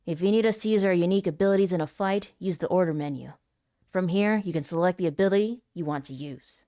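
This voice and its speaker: A woman's voice: lowish voice, fast talker, mellow, no room sound, studio quality, natural voice. A woman voicing a commanding, nonchalant female military commander, giving firm, authoritative game instructions in a voice acting demo.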